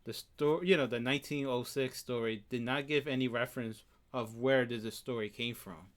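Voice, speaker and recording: A man with a Spanish accent co-hosts a casual podcast. He chimes in with quick questions and offhand asides at an ordinary middle pitch. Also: fairly even intonation. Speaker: podcast co-host.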